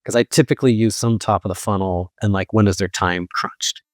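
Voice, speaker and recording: A man answering interview questions as a sales executive, speaking informally and emphatically, often acting out quick bits of dialogue. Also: fairly low pitch, steady tone, no echo, studio quality. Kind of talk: casual conversational interview answers.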